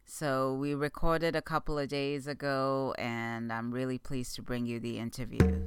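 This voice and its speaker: A woman's voice: a bass voice, flat delivery, moderate pace, soft background music. A woman in her thirties, from Ghana, hosting a casual interview, chatty and laughing often. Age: 30s. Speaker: host.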